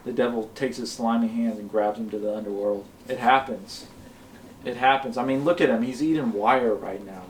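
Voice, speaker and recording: A man's voice: medium pitch, moderate pace, rough recording. Male host, mid-range voice, loose comedic reaction chat, repeats himself for emphasis, faint noise.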